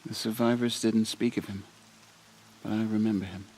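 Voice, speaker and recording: An actor playing a humble, earnest young tribal stitcher in a video game, soft-spoken, sincere and a little hesitant. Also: male voice, lowish voice, level tone, normal speed, slight background noise, close to an everyday voice, low-quality recording. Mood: sincere, subdued. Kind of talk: video game cutscene acting.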